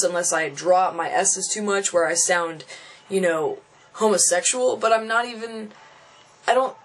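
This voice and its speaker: On poor audio, a young transgender man with a high, somewhat bright voice vents casually to his camera. The vlogger sounds frustrated, thinks aloud, and keeps restarting and repeating phrases.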